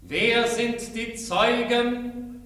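A woman's voice: on the high side, drawn-out words, a bit bright. An actress playing a solemn female judge of a heavenly tribunal, declaiming in old radio drama style. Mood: solemn, stern. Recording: echoing hall with long reverb, distant.

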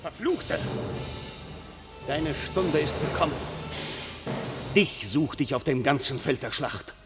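Proud warrior duke, scornful, hateful, declamatory radio play acting, long hall reverb. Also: male voice, a little high, expressive, slow, loud music behind the voice. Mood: furious, scornful. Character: proud, hate-filled noble duke and warrior. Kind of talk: classic German radio play, declaimed stage verse.

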